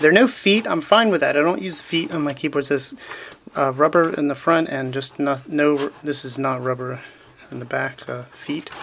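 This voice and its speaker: Delivered at a moderate pace, the speech comes with noticeable background noise. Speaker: tech reviewer. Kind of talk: unboxing video.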